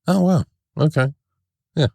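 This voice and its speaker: A man hosting a podcast, playful and chatty, laughing often as he runs a quick question round. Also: on the high side, gravelly, dark tone, dry recording, studio quality. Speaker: podcast host. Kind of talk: casual interview chat. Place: podcast studio.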